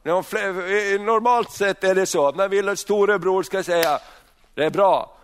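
Guy giving a sermon, pretty high voice, keeps stumbling and restarting, asks the room stuff. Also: fairly even intonation, slight background noise. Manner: frequent restarts and repeated words, rhetorical questions to the congregation. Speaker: preacher.

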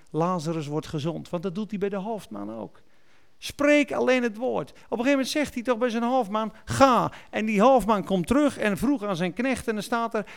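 Clean in tone yet carrying vocal fry, a man's high voice reads scripture aloud during a sermon. He explains the verses and corrects his minor slips as he continues.

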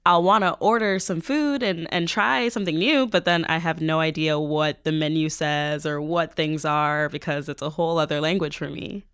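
Smooth, lower-voiced woman host. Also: fairly even intonation, moderate pace, hardly any pauses, fairly bright tone, no echo, studio quality. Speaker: podcast host. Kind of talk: casual chat.

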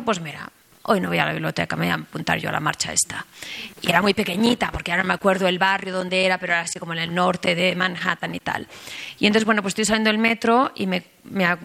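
A middle-aged woman from Spain, a historian speaking at a panel, telling a story in a lively, chatty way with many fillers and restarts. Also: fairly low pitch, vocal fry. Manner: animated storytelling with many fillers and self-corrections. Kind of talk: conversational panel talk.

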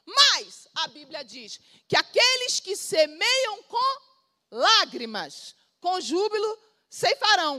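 A woman's voice: very high-pitched, bright, forceful tone. A woman pastor with a Brazilian Portuguese accent, preaching an emphatic, repetitive sermon.

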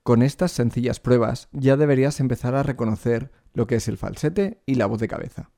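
A man with an ordinary middle-pitched voice leads a singing lesson. He explains each point clearly and speaks straight to the learner. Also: brisk, mellow. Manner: clear explanatory teaching, addresses the learner directly. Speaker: vocal coach.

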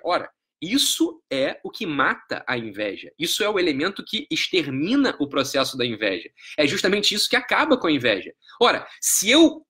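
A man's voice: high voice, pushed and bright. A man with a Brazilian Portuguese accent giving a live-stream psychology lecture, emphatic and profane, constantly checking whether the listener follows. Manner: emphatic and profane, keeps asking if you follow.

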